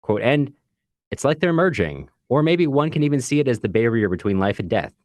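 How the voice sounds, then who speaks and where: A man's voice: medium pitch, sing-song, a little fast, darkish tone, dry recording. A man co-hosting a book discussion podcast in a casual, chatty style, sometimes reading aloud. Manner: reads listener comments aloud. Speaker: podcast co-host.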